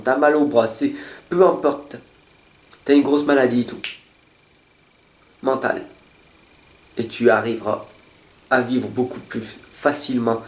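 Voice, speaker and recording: A man's voice: medium pitch, darkish tone, slight background noise. A man giving weekly card-reading guidance, speaking earnestly and encouragingly straight to the listener. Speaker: card reader. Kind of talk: weekly tarot guidance talk. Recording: echoey room with faint music.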